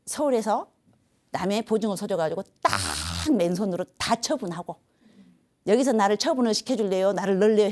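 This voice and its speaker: A woman giving a lively motivational lecture to seniors, telling a personal story and acting out the dialogue with big swings in volume. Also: medium pitch. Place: lecture hall.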